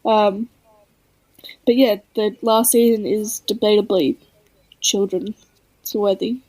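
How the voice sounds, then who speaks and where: A woman co-hosting a podcast in casual chat, with an unhurried, drawn-out delivery. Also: mid-range voice, fairly even intonation, a little mellow, low-quality recording. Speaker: podcast co-host.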